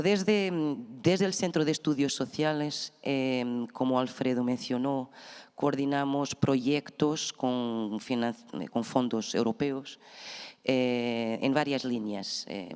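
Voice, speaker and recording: A woman from Portugal, a native Portuguese speaker, gives a conference talk in a Portuguese accent, slowly and carefully, with hesitant restarts. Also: extremely low pitch, a little mellow, clear, resonant tone. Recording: reverberant conference hall.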